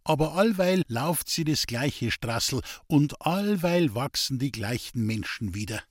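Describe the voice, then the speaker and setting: Man reading a kindly Bavarian village priest in a storybook, husky, patient. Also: medium pitch, expressive, unhurried, no echo, clean studio sound, pitched above the performer's own voice. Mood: fatherly. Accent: Bavarian dialect. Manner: patient, fatherly. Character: kindly, gently teasing older village priest.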